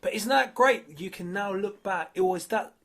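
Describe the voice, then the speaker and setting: A man hosting a podcast, talking in a lively, restless way and swearing freely. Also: high voice, moderate pace. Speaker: podcast host. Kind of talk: casual chat.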